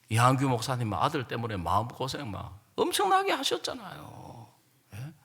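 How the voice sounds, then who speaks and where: A man's voice: fairly low pitch, fairly bright tone. A middle-aged man preaching a sermon as a pastor, telling stories animatedly and acting out quarrels. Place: large church or camp hall. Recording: reverberant hall.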